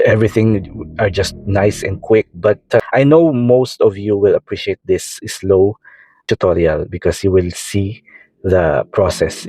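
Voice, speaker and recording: A man's voice: sits low, darkish tone, slightly rough, no echo, rough recording. A man from the Philippines with a Filipino accent and Tagalog as his first language, talking casually through an art tutorial, rambling and repeating himself with many fillers. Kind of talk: casual tutorial talk over drawing.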